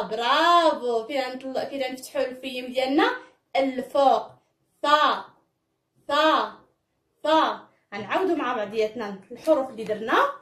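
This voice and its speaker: Lively Moroccan woman teaching small children. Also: high-pitched, echoey room. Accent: Moroccan Arabic. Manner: encouraging, drawn-out repeated syllables. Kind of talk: children's phonics lesson.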